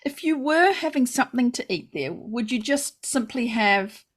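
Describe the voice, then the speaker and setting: A woman's voice: fairly high pitch, lively intonation, normal speed. A woman hosting a podcast interview, chatting casually and encouraging her guest with enthusiasm. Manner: enthusiastic, encouraging, laughs often. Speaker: podcast host.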